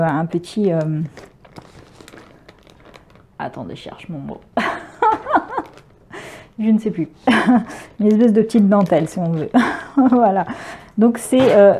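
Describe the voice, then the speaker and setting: A woman's voice: on the low side, dark tone. A French woman casually chatting through a crafting unboxing, hesitant and laughing often. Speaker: crafting vlogger.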